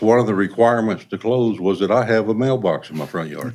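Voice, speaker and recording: A man talks with a Texan accent at a fairly low pitch. His pace is moderate and his pitch variation ordinary. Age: 60s. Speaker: retired firefighter, public commenter. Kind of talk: public comment at council meeting. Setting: city council meeting.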